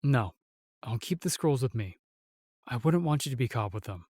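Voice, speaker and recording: A man's voice: medium pitch, animated, moderate pace, a little mellow, slightly rough, no room sound, clean studio sound. An actor playing a protective male knight in a fantasy audio roleplay, formal, courteous and earnest. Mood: gentle, courteous.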